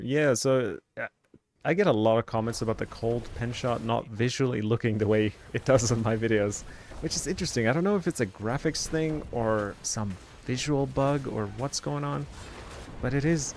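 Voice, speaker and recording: A game streamer from Sweden chats casually over his gameplay on a live stream, rambling and thinking aloud with lots of fillers in a lightly softened Swedish accent. His voice is gravelly, at medium pitch and a moderate pace, with slight background noise.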